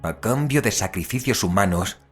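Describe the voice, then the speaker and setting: An actor playing an investigator who recounts a cursed town's grim history in expressive, deliberate Castilian Spanish for an audio drama. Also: male voice, lowish voice, soft background music, natural voice. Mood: intrigued, ominous. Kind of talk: scripted audio drama narration.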